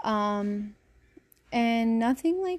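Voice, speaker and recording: A woman speaks with an American accent in a dark, mellow tone. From Pennsylvania. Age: 20s. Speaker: podcast host. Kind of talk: casual storytelling monologue. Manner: halting, many fillers.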